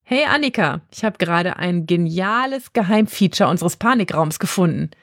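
A woman voicing a frightened young girl lost in the dark, anxious at first and then excited and chatty. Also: lowish voice, normal speed, no echo, studio quality, pitched below the performer's own voice.

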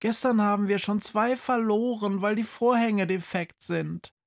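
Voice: mid-range voice, steady tone, unhurried, voice pushed up, lightly acted. A narrator voicing a pale, worried schoolgirl asking for a break in an audiobook.

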